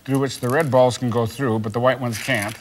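A man's voice: medium pitch, fairly even intonation, brisk, a little hiss or hum. An older man hosting a children's science show, patiently asking questions and explaining an experiment in a kitchen set. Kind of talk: teaching a child.

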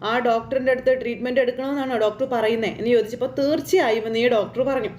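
Woman rattling thru a tv serial recap, lots of fillers, quick and roomy sounding. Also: on the high side, a little mellow, slight background noise. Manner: chatty, loose storytelling with many fillers and tag words. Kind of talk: casual retelling of a TV serial episode.

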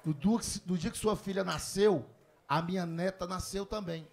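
A man's voice: sits high, normal speed, creaky, voice pushed down. Comedian doing a bitter little old lady. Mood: resentful. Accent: Cearense. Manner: blunt, cursing. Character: tiny bitter old woman holding a grudge.

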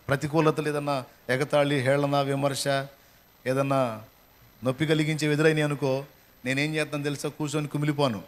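A male pastor preaching a sermon with impassioned, repetitive exhortation that swells into loud declarations. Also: on the high side.

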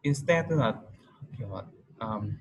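A man giving a casual vocabulary lesson, explaining slowly and patiently with many fillers. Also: medium pitch, animated, a little mellow, breathy edge. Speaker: English tutor.

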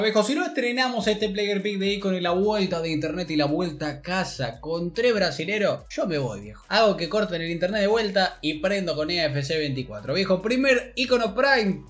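A young man with an Argentine accent giving slangy, excitable commentary while opening packs in a game, swinging between mutters and shouts. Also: sits high. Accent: Argentine Spanish. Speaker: gaming YouTuber.

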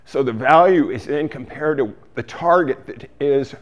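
A man's voice: mid-range voice, moderate pace, muffled recording. An older man giving a plain, explanatory talk to farmers in a meeting hall. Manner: plain explaining, some restarts. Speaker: coalition speaker. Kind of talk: presentation to growers. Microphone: far camera, no mic seen.

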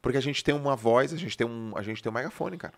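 Speaking fast in a mid-range voice, a male podcast host recounts something from his own life. His delivery is lively, rising loud and dropping quiet, with a bit of offhand cursing.

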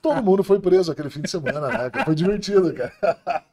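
Animated, blunt middle-aged man. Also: high voice, quick pace. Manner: profane, blunt, laughing. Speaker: police officer guest. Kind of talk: casual podcast storytelling.

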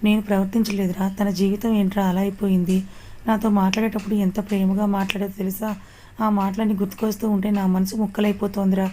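A woman's voice: mid-range voice, little pitch movement, quick pace, mellow, slight background noise, close to an everyday voice. A woman voicing a heartbroken young man who drinks to drown his grief, in a Telugu audio story, in slurred grieving outbursts. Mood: anguished.

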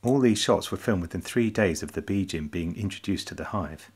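Man, very low voice, husky, calm documentary voice-over, measured explanations. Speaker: narrator. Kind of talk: scripted documentary narration. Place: voice-over, not recorded in the pictured hive.

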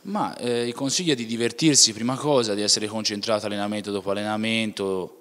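Low-voiced young footballer, reverby room. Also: male voice, fast talker, a bit bright. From Tuscany, Italy. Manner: plain, with frequent restarts and filler "ecco". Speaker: footballer, interview guest. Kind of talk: casual interview answers. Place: indoor club museum room. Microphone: handheld mic.

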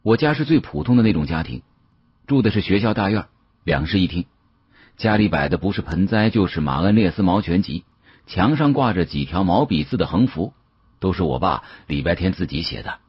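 A man narrating an audiobook as dramatic first-person storytelling, expressive and theatrical, with colloquial asides. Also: sits low, husky, no room sound, highs cut off.

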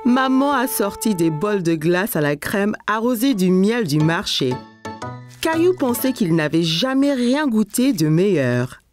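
A woman narrating a children's cartoon as a kindly, expressive storyteller. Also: mid-range voice, a little slow, faint music behind. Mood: storytelling. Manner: expressive, clearly paced storytelling. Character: kindly storyteller narrating a little boy's everyday adventures.

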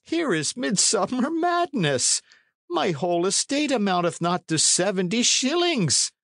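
A man performs a frail, cringing old peasant from a historical storybook. The voice is pitched high and swoops about, servile and pleading with his betters, always protesting. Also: big pitch swings, a little slow, vocal fry, fairly bright tone, no room sound, studio quality, exaggerated voice. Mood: distressed, protesting.

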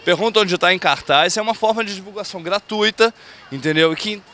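A high, bright-toned man, enthusiastic and repeating words as he answers a reporter outdoors. Faint traffic is heard. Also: a little fast. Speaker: passerby interviewee. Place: busy street outdoors.

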